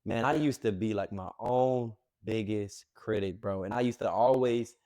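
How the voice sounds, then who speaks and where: A man's voice: fairly low pitch, normal speed, dark tone. A man in his late twenties co-hosting a podcast, rambling in casual chat with heavy slang and lots of fillers. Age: late 20s. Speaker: podcast co-host.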